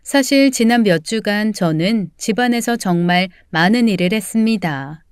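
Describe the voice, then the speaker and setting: A woman playing a resolute adult daughter who tells her own story in measured, restrained scripted narration. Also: mid-range voice, animated, clear, resonant tone, dry recording, clean studio sound, lightly acted. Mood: bitter, resolute.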